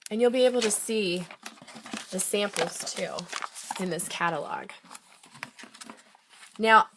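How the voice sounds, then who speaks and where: Middle-aged woman, home livestream craft host, slightly raspy, chatty, medium pitch. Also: takes it slowly, very noisy. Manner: chatty and enthusiastic, with frequent fillers. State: raspy from recent illness. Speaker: independent craft demonstrator hosting a live stream. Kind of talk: casual live craft demonstration. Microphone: phone or tablet livestream.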